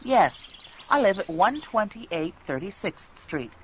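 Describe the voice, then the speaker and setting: An older woman speaking lively scripted dialogue in a language lesson. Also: medium pitch, slow. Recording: dull lo-fi recording with faint noise.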